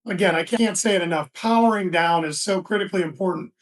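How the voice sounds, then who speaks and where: Older man, high voice, distant mic. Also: fast talker. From Florida, USA. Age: 60s. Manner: relaxed storyteller with many restarts and fillers. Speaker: guest, business founder. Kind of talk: casual interview talk.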